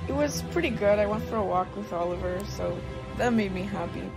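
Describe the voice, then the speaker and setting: A woman's voice: mid-range voice, a little fast, gravelly, over music, close to an everyday voice, poor audio. A woman playing an earnest, caring gay teenage boy in an amateur radio play. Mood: nervous, hopeful.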